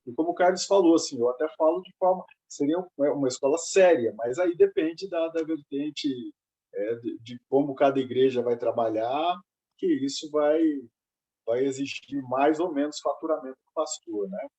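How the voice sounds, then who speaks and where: Man, group talk, halting delivery, husky and warm-toned. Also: a little high, rough recording. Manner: hesitant, many restarts. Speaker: study group participant. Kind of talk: casual group discussion.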